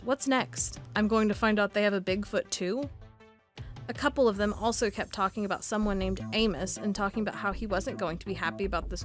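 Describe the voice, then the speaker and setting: A woman delivering scripted audio-drama narration and dialogue in a dry, deadpan manner. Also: mid-range voice.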